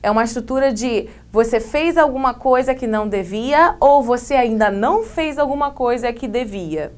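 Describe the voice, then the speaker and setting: Speaking to the camera at a normal speed, a Brazilian Portuguese-accented woman runs an English grammar lesson for a classroom video. Her voice is high and bright, and she keeps things chatty and lively, slipping in playful remarks along the way.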